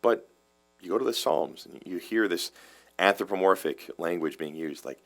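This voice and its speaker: Deep-voiced pastor explaining earnestly. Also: male voice, lively intonation, moderate pace, creaky, a bit bright. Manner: earnest, explanatory, restarts and repeats words. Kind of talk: casual theological discussion.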